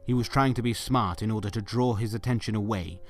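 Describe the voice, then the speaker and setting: A man's voice: on the low side, brisk, faint music behind. A man narrating a scripted story as the narrator of a fan audio drama.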